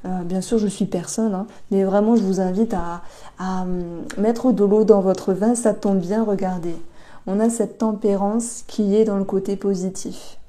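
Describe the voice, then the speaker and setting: A woman giving an intuitive tarot reading for a star sign, talking slowly and reflectively with many pauses and hesitations. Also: mid-range voice, steady tone, mellow. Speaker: tarot reader.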